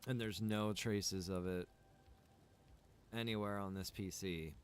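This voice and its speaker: Low-pitched man muttering over background noise. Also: steady tone, takes it slowly. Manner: baffled muttering to himself. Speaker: game streamer. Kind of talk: casual thinking aloud.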